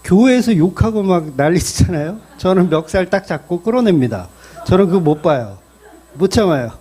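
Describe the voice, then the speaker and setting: A middle-aged male pastor preaching a sermon in a lively, joking way, with many questions to the congregation. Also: high voice, moderate pace, slightly rough.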